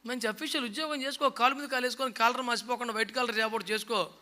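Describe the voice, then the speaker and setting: Fiery high-voiced male preacher, scolding. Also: steady tone, very fast, sharp tone. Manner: scolding, mocking, fiery preaching with rhetorical questions; mimics people he quotes. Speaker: pastor. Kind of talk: sermon.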